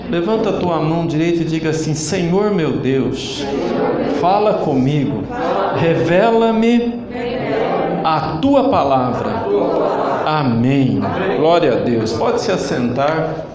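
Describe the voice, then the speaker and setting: A man's voice: fairly high pitch, lively intonation, echoey room, over a noisy crowd, poor audio. A man from Brazil with a Brazilian Portuguese accent, preaching an online sermon as church leader and calling for answers from the congregation. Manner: slow, emphatic preaching with call-and-response. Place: church hall.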